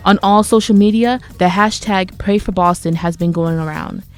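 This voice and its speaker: A woman's voice: mid-range voice, moderate pace, soft background music. A woman reading scripted news and announcements as a college radio reporter.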